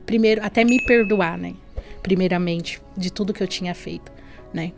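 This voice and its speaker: A woman's voice: on the low side, moderate pace, creaky, faint music behind. A woman giving an earnest, heartfelt faith testimony in a podcast interview, often saying "né" and "assim". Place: podcast studio.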